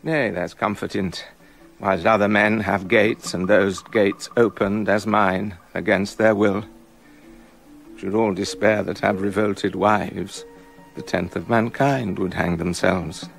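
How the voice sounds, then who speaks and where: A suspicious king in an audio drama, his voice rough and gravelly as he broods in low asides. He turns on his counsellor with rising, bitter accusation. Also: steady tone, slow, soft background music. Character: jealous brooding king, middle-aged man. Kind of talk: radio drama acting.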